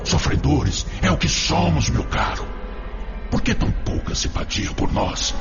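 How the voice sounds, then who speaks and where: A man's voice: a little high, big pitch swings, unhurried, gravelly, heavily acted. An actor in a Portuguese-language radio drama playing an insinuating male tempter spirit, persuasive and goading, with rhetorical flourishes. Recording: dull audio under loud music.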